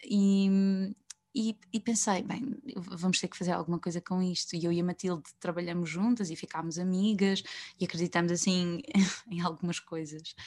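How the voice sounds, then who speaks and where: Against a quiet background, a woman talks at a medium pitch, somewhat breathy, with fairly even intonation. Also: moderate pace. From central Portugal (Coimbra, Viseu). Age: 20s. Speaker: actress. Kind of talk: interview conversation. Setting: video call.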